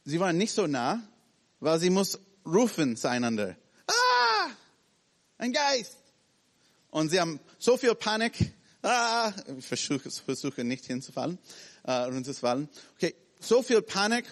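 Animated preacher man in a reverberant hall. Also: fairly high pitch, normal speed. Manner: animated, acts out scenes in short broken phrases. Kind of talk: sermon.

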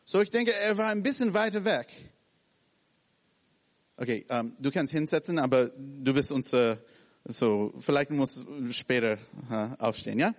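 Animated preacher man in a reverberant hall. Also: mid-range voice, measured pace. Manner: animated, acts out scenes in short broken phrases. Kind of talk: sermon.

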